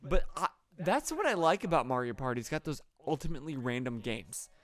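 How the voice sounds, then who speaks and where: A man's voice: medium pitch, sing-song, fairly quick, crowd noise. A man co-hosting a video game let's play, a chatty storyteller who likes sharing fun facts. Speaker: co-host of a gaming let's play. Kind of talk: casual chat while playing a video game.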